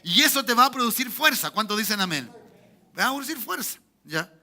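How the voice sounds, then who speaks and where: Bright-voiced Chilean pastor preaching. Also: male voice, extremely high pitch, sing-song, a little fast. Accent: Chilean Spanish. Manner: preaching with rising emphatic peaks and quiet asides, asking the congregation for amens. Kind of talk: sermon. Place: church sanctuary.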